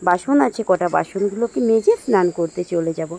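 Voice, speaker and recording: A hoarse woman chatting casually to her viewers as friends while vlogging her day at home. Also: lowish voice, animated, fairly quick, warm tone. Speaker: daily-life vlogger. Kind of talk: casual chat to camera. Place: at home, sitting under a ceiling fan.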